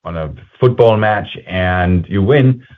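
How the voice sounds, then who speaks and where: A man presenting company results on a conference call in a halting, conversational, explanatory way, as an executive speaking to investors. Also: low-pitched. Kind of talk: semi-scripted earnings call presentation. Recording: muffled phone-like conference call line.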